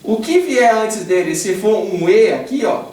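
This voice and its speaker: A man's voice: sits high, lively intonation, a little slow, darkish tone, recorded from a distance. A Brazilian man teaches in a slightly raised voice. He sounds patient and chatty, checks in with his listeners often, and fixes his own words as he goes. He stands a few steps from the mic in an echoey room with a faint hum behind him. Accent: Brazilian Portuguese. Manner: patient and chatty, asks the class questions and tags sentences with a questioning "né?"; corrects himself mid-sentence while writing on the board. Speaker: Japanese teacher.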